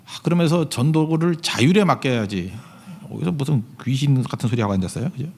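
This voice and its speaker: A middle-aged male pastor preaches in an emphatic, questioning style. His pitch swings widely as he presses each point home. His voice rings with the long reverb of a large church hall. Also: animated, a little fast, darkish tone, breathy edge. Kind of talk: sermon.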